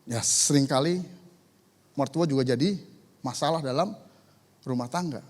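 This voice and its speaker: A man's voice: medium pitch, normal speed, darkish tone. A man preaching a sermon as pastor, moving between conversational asides and emphatic declarations. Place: church sanctuary. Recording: church hall reverb.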